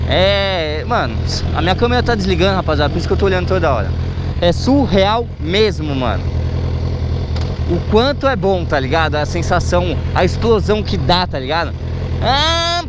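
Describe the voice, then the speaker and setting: A young man from Brazil, riding a motorcycle through city traffic and chatting excitedly to viewers, recorded on a helmet camera mic. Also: sits high, moderate pace. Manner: slangy, excitable, addresses viewers as mates. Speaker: motovlogger. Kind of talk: casual motovlog commentary while riding. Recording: loud engine and wind noise.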